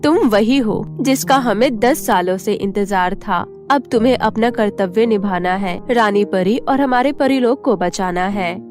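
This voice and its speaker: A woman's voice: medium pitch, unhurried, hardly any pauses, faint music behind, close to an everyday voice. A woman voicing a solemn, kindly queen mother of the fairies, earnest and stately, in a cartoon storybook. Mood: solemn, hopeful.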